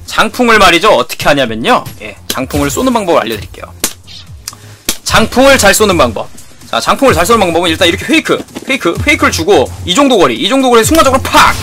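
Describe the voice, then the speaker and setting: High, lively man swearing at a game. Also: quick pace. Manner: excitable, swears at the game, repeats phrases. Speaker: game streamer. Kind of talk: fighting game tutorial commentary. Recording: music playing behind.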